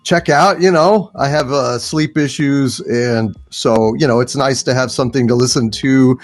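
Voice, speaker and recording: A man chatting casually as a guest, in a halting, rambling way. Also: mid-range voice. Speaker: guest, voice actor. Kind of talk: casual chat.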